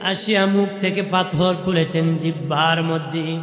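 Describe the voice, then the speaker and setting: Man, sermon chanting, bright ringing tone, echoey loudspeaker sound, faint music. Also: fairly even intonation, a little slow. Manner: swings from soft talk to high chanted calls. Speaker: preacher. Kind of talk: Bengali waz sermon, chanting. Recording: echoey long reverb through PA.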